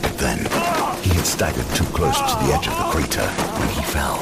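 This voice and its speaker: A man with a gravelly voice delivering dramatic scripted narration for a gothic horror audio drama. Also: a bass voice, expressive, normal speed, heavy background noise. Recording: loud cinematic music and rain behind.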